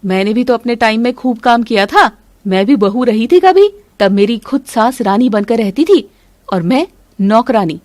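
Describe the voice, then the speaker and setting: A woman's voice: a little high, lively intonation, normal speed, dry recording, lightly acted. Woman voicing a bossy scheming mother-in-law. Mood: defiant. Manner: sharp, scolding, sly. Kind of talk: animated storybook voice acting.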